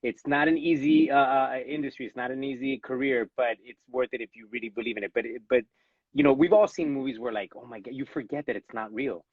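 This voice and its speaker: This Cuban-American actor, born in Los Angeles and raised in Miami by Cuban parents, speaks with a Latino accent in a mid-range, slightly rough voice and at a quick pace. The audio is narrow and tinny with no room sound, captured at home during a casual live interview. He talks earnestly about his acting work and often restarts sentences by repeating words.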